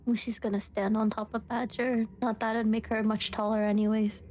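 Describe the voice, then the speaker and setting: A woman improvises casual dialogue as a player in a tabletop game. Her voice is fairly high, and she explains things informally and hesitantly. There is faint noise in the background. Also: flat delivery, fairly quick, darkish tone.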